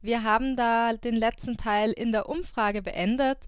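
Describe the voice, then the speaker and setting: A woman hosts a relaxed podcast conversation and reads out survey replies. Her voice is smooth and clear and sits slightly high. The recording is dry and close. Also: measured pace, no room sound. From Austria. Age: 20s. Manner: reads out listener survey answers. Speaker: podcast host. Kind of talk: casual podcast chat.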